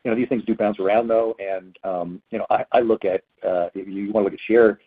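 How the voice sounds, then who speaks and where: Male executive, quick but halting and repetitive, on a tinny phone-grade earnings call line. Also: on the low side, fairly even intonation, slightly rough. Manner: halting, hesitant, repeats words. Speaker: company executive answering analysts. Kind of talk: earnings call question and answer. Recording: phone-like narrow band conference call.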